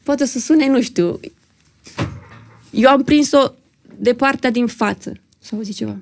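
Young woman with a gravelly voice telling a dramatic story. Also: a little high, darkish tone, a little hiss or hum. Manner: vivid, dramatic retelling, acting out what others said. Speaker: podcast guest. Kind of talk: emotional personal storytelling in conversation. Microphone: podcast studio microphone.

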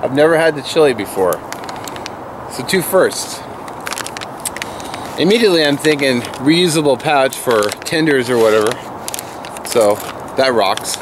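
A middle-aged man talks in a relaxed, chatty way as he cooks outdoors at a forest campsite, thinking aloud about what he is doing. His pitch sits in an ordinary middle range. The camera mic picks up clear outdoor noise around him. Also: measured pace, long pauses. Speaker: camping vlogger. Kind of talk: casual outdoor cooking vlog. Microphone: camera-mounted mic, speaker moving near and away.

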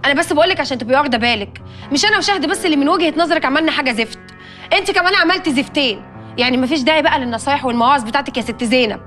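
A sarcastic, sharp-tongued young woman with an Egyptian accent. Her high voice fires off jabs very fast over faint music. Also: expressive. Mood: taunting. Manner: sarcastic, taunting. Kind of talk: TV drama acting.

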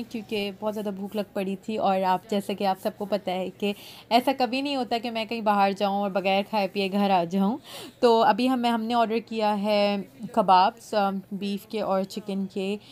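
Mom vlogger, thirties, from Pakistan, chatty and direct, recorded on a phone. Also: female voice, mid-range voice, darkish tone. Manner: chatty, addressing viewers directly. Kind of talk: casual vlog narration to camera. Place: indoor mall, then parked car.

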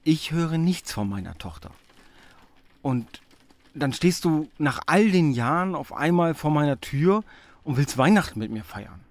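A man's voice: fairly high pitch, expressive, a little slow. A man playing a lonely, hesitant middle-aged father in a naturalistic radio drama. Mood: hurt, reproachful. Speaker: voice actor in an audio drama.

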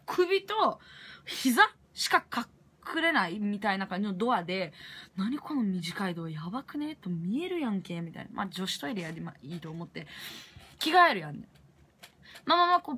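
Animated young Kansai woman telling a story. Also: medium pitch. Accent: Kansai Japanese. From Japan. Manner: animated, acts out her own reactions. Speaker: vlogger. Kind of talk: casual storytelling to camera.

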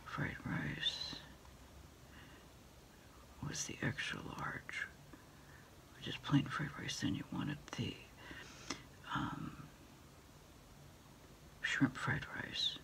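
A middle-aged woman in a quiet ASMR roleplay, speaking haltingly and hushed as she takes a takeout order over the phone. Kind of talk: ASMR roleplay, whispered one-sided phone conversation.

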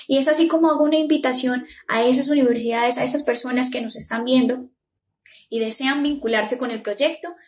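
A young woman with a Colombian accent giving a formal, measured academic presentation to a webcam. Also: a little high. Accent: Colombian Spanish. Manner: measured, formal, enumerating steps. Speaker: teacher presenting a conference paper. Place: indoor room, talking to camera.

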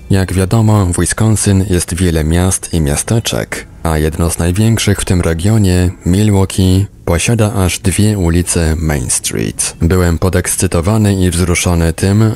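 A man's voice: sits low, a little mellow. A man reading a first-person account aloud as scripted audiobook narration. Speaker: audiobook reader.

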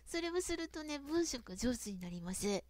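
A novelist with a Kyoto accent giving a chatty, casual writing lesson to camera. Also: female voice, high voice, very animated, moderate pace, a little mellow, no room sound. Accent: Kyoto Japanese. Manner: chatty, frequent dialect sentence endings.

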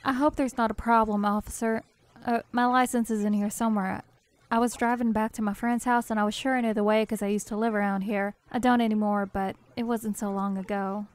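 An actress playing a flustered, polite young woman driver in her twenties in a TV drama, with a hesitant, halting way of talking. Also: medium pitch, level tone, natural voice. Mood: flustered, apologetic. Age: 20s. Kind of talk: naturalistic TV drama acting. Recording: noisy old TV tape with car ambience.

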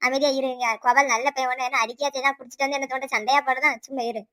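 A performer voicing an older village woman neighbor in a cartoon, lecturing the couple in a rapid Tirunelveli accent. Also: high-pitched, flat delivery, pushed and bright. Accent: Tirunelveli Tamil. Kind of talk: cartoon voice acting.

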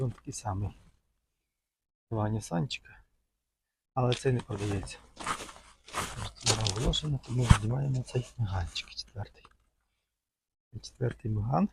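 This man has a creaky, mid-range voice, with background noise behind him. He's wandering an outdoor market showing off cars for sale, chatting in a loose, rambling way and using lots of affectionate little words.

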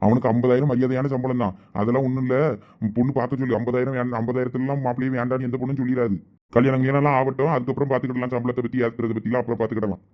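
A man's voice: mid-range voice, flat delivery, darkish tone, natural voice. A man with a Thoothukudi Tamil accent playing a husband and shop owner who lectures his wife. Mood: lecturing. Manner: brisk, lecturing. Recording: dull lo-fi sound.

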